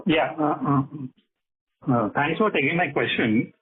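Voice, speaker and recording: A man calling in as a financial analyst, asking probing questions in a hesitant, slightly husky voice. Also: on the high side, unhurried. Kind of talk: asking questions on an earnings conference call. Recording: thin, band-limited phone line.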